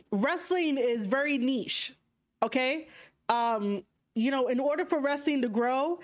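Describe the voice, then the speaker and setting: Young new york woman on a livestream, kinda high voice, rambly and blunt, lots of ums. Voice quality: frank, rambling, many fillers and restarts. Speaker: livestream podcast host. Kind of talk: casual livestream chat reading viewer comments.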